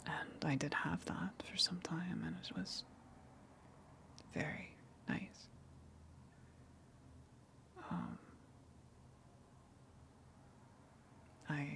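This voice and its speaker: A lonely female tentacle monster from the sea, acted by a woman speaks in an intimate ASMR roleplay. The voice is a breathy whisper with a creaky edge. The delivery is very slow and halting, gentle and earnest, like a careful confession. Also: low-pitched, exaggerated voice. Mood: wistful, guarded, then nervous, coy.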